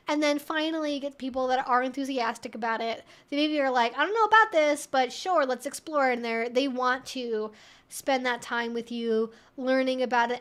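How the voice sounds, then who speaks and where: A woman hosting a casual livestream Q&A, explaining things in a candid, conversational way with frequent asides. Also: high voice. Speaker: livestream host, educator.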